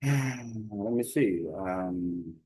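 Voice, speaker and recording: A man with a somewhat low voice reads his language study notes aloud. He goes slowly and carefully, pausing between phrases. It sounds like a plain computer mic recording. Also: darkish tone, breathy edge, rough recording. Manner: halting, careful reading with pauses. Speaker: language learner.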